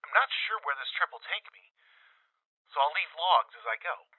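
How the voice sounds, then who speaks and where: A grieving wasteland father recording a log for his child. The voice is husky and swings gently up and down, halting and tender with fragile hope. It comes through a thin, tinny recorder in an audio drama. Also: a little high, very animated, no room sound. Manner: halting, tender, sometimes dropping to a whisper. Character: grieving, hopeful father, a wasteland wanderer leaving audio logs. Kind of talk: full-cast audio drama, in-world audio log.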